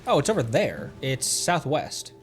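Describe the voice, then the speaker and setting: A man's voice: mid-range voice, big pitch swings, unhurried. A man livestreaming a video game, chatting casually and playfully to himself as he plays. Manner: playful, giggly, self-talking. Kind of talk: casual game stream chat. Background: game music.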